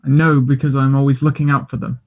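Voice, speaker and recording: A man's voice: medium pitch, flat delivery, fast talker, muffled recording, close to an everyday voice. A man acting a chatty, self-deprecating gay teenage schoolboy in a table read, hesitant, earnest and teasing. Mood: playful, teasing. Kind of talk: play table read, naturalistic dialogue.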